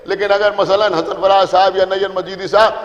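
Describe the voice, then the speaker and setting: A man's voice: sits high, level tone, lo-fi sound. A male preacher with a Lucknow Urdu accent giving a sermon to a seated congregation, explaining things simply, repeating his points and checking that the audience follows. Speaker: Shia preacher addressing a majlis. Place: large imambara hall. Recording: reverberant hall.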